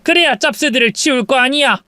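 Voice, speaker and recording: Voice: sits high, a little fast, pushed and bright, clear, resonant tone, dry recording, clean studio sound, pitched above the performer's own voice. A reader voicing a scheming older mother-in-law who runs a family of thieves, speaking with scolding contempt. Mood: scornful.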